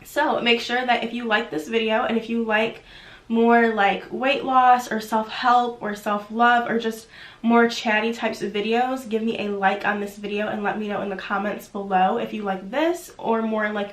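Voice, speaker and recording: A young woman YouTube vlogger chats casually with her viewers in a fairly high, reverberant voice. She's sick and sounds nasal from a cold, and her talk is full of "like" fillers.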